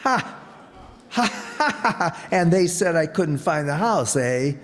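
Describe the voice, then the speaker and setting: A blustering, flustered husband. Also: male voice, fairly high pitch, sing-song, measured pace. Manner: blustery, exasperated, sputtering. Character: blustering, easily flustered middle-aged husband. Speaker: harried husband, new homeowner. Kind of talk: 1940s radio comedy acting. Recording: reverberant old radio broadcast with faint noise.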